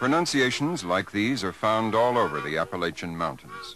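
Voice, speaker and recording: Over background music, a man talks at a moderate pace in a fairly low voice. His pitch swings very widely. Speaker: documentary narrator. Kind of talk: documentary narration.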